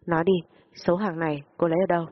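A woman voicing a stern male police officer who questions firmly and briskly. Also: fairly low pitch, fairly even intonation, highs cut off, close to an everyday voice.

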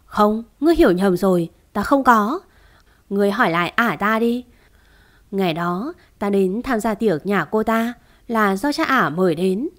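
A woman's voice: mid-range voice, animated, moderate pace, a bit bright, natural voice. A woman reading the part of an older, wealthy family head who defends himself earnestly. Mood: defensive.

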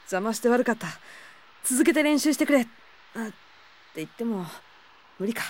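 An easygoing teenage boy in an audio drama. The voice is high and youthful, with casual, considerate phrasing that puts others at ease. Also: expressive, moderate pace. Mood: surprised, considerate. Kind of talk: Japanese audio drama acting.

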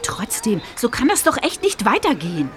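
A woman's voice: on the high side, wildly swooping pitch, moderate pace, fairly bright tone. A woman playing an outspoken, protective teenage schoolgirl in a radio play, talking in a direct and indignant way.

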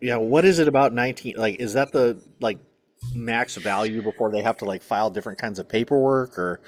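A man's voice: mid-range voice, brisk, no echo. A man co-hosting a casual comedy talk show, wry and musing. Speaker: co-host.

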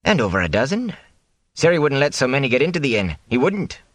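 A man voicing a sharp-tongued, plump female inn cook who scolds in a folksy dialect. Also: mid-range voice, sing-song, fast talker, no echo, pitched above the performer's own voice. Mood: chatty, brisk.

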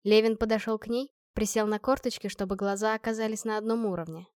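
A woman narrating an audiobook in a calm, even storytelling manner. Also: medium pitch, quick pace, smooth, no room sound, clean studio sound. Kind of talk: scripted narration.

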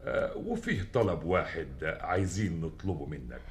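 Stately jinn king, deep voice, Egyptian Arabic, fatherly, dramatic, roomy echo. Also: big pitch swings, moderate pace. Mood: fatherly, courteous. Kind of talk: theatrical drama acting. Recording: roomy echo, faint noise.

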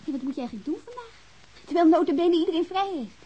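A woman's voice: extremely high pitch, sing-song, quick pace, dark tone, lo-fi sound. An actress playing a playful young woman at home, teasing and coaxing in an informal, naturalistic radio drama style.

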